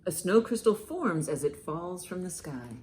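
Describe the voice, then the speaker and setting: A woman hosting a children's storytime, reading and explaining in simple, expressive language meant for young listeners. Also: fairly low pitch, a little slow, a little hiss or hum. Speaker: children's librarian, storytime host. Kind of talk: children's storytime, reading a picture book aloud and commenting.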